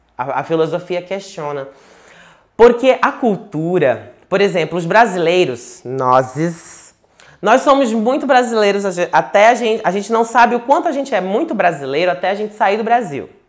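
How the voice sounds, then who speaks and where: High-pitched, a man speaks at a moderate pace. His pitch swings very widely. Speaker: tarot teacher. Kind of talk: live-stream lecture. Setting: live stream. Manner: hesitant, with many fillers.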